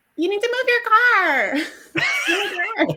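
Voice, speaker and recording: A woman puts on a squeaky character voice with a Boston accent, pitched extremely high. She speaks at a fairly slow pace. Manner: bossy, commanding.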